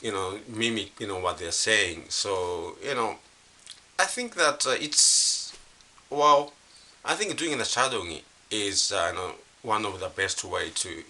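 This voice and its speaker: This middle-aged Japanese man, a native speaker with a Japanese accent, vlogs as a language learner, talking casually and unscripted to camera. He speaks haltingly and repetitively, full of filler phrases, in a deep voice with a sharp tone. The recording is hissy with faint background noise.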